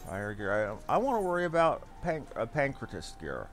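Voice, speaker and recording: A man's voice: medium pitch, huge pitch swings, moderate pace, a bit bright, faint music behind. A man giving casual commentary as he streams a game, sometimes muttering to himself.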